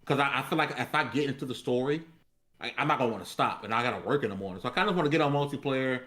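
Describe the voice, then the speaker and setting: Bright, lively man in podcast chat. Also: medium pitch, very fast. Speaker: gaming podcast co-host. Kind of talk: casual gaming podcast chat.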